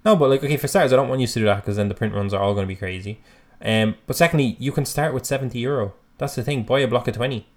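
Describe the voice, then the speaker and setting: A medium-pitched man co-hosts a podcast, talking very fast with few pauses. The casual chat is full of rambling, self-deprecating banter and the occasional swear.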